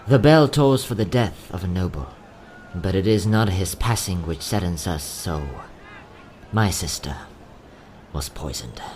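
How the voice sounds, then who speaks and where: Man acting as a lively, courteous young merchant. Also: sits low, unhurried, a little hiss or hum. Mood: grieving. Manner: polite, theatrical salesman's patter. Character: courteous travelling merchant, young man of fallen nobility, quietly sad. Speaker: voice actor. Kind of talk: fantasy audio drama acting.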